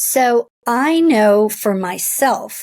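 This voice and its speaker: A woman with a fairly high pitch and an American accent. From US Midwest, farm upbringing. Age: 70s. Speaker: supplement company co-owner. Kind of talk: interview.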